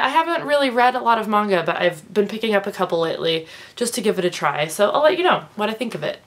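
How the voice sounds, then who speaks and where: A woman's voice: on the low side, fairly bright tone. Chatty stuffed-up young woman vlogger. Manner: chatty, rambling, with fillers and laughs. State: stuffed up nose. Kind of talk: casual monthly favorites vlog.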